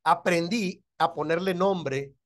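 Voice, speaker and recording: A man's voice: high-pitched, takes it slowly. A middle-aged man with a Mexican accent, a pastor teaching a church class who often asks his listeners whether they agree and chuckles as he talks.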